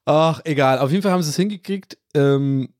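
Man, podcast co-host, casual storytelling, self-mocking, laughs a lot, somewhat high voice, dry close sound. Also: fairly quick, darkish tone, dry recording.

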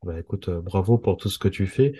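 Low, dry-voiced podcast host. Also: male voice, warm tone, slightly rough, no echo. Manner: friendly, halting, many fillers. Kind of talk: podcast interview.

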